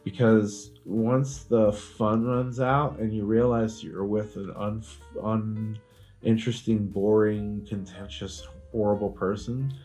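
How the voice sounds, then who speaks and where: Rambling low-voiced man on a podcast. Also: level tone, takes it slowly, a little mellow, soft background music. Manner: rambling, many fillers and restarts. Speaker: podcast co-host. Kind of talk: casual comedic chat.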